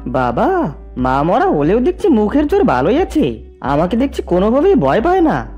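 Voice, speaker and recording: A woman's voice: mid-range voice, wildly swooping pitch, normal speed, mellow, breathy edge, dull audio, soft background music, voice pushed down. A woman voicing a sly, scheming fox in a children's cartoon, wheedling as a false kindly uncle. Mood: frustrated, scheming. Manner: wheedling, scheming, swooping delivery.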